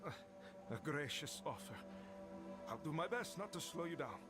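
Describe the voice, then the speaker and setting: An actor playing a shaken, grateful shipwrecked sailor who speaks in a formal, old-fashioned way in a video game. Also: male voice, a little high, expressive, normal speed, lightly acted. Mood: relieved. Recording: loud game music behind.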